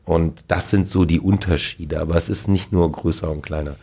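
A male actor as an interview guest, telling lively stories about film sets in a casual way. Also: sits low, moderate pace, husky. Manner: animated storytelling with acted quotes.

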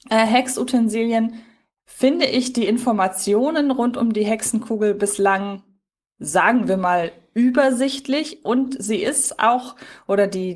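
Woman, slightly high voice, podcast host, wordy, conversational, explanatory. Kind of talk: conversational fan podcast discussion. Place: at home, on a remote link.

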